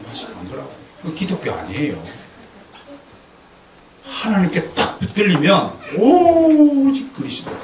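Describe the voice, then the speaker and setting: A male pastor preaching a lively lecture-sermon to a congregation, with humor and call-and-response. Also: sits high, unhurried. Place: church sanctuary. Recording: echoey hall, distant mic, faint noise.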